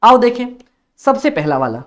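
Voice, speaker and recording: A young man teaching a live-streamed online exam class, energetic and coaxing, who keeps repeating phrases and reads chat comments aloud. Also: very high voice, normal speed. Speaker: accountancy exam tutor.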